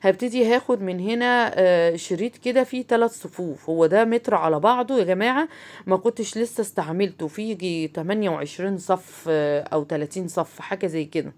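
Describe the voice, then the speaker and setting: A woman's voice: mid-range voice, fast, a little mellow. A woman with an Egyptian accent hosting a casual craft tutorial, chatting straight to her viewers with plenty of fillers as she explains each step. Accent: Egyptian Arabic. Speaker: crafts channel host.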